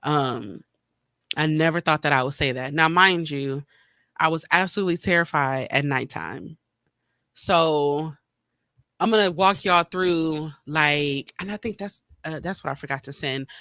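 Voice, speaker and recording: A man's voice: on the high side, unhurried, bright, forceful tone, smooth, dry recording, studio quality. A man hosting a podcast, chatting casually with lots of fillers and sounding a little congested from a cold. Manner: chatty, rambling with many fillers. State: slightly congested, getting over a cold. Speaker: podcast host. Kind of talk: casual solo chat. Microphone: streaming mic.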